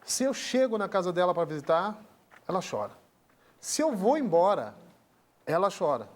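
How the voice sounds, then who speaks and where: Male guest, Brazilian accent, high voice, heartfelt storyteller who voices the people in his story. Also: very animated, moderate pace. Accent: Brazilian Portuguese. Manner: earnest, acts out dialogue in the retelling. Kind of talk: emotional personal storytelling.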